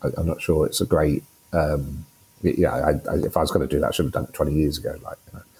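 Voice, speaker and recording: Speaking at a fairly quick pace, a man talks in a South London accent. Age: 60s. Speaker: retired business executive. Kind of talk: podcast interview. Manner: halting, many repeated words.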